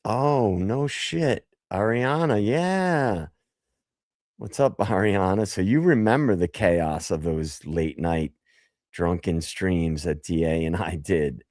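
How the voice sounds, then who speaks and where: A man hosting a casual livestream, hoarse after a gig, talking loosely and swearing as he jokes with chat. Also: low voice, expressive, slow, a little mellow, no echo, clean studio sound. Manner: loose and profane, jokey. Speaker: livestream host.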